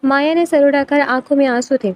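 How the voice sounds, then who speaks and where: A woman narrating a romantic audiobook novel in a dramatic, expressive reading. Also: sits high, low-quality recording.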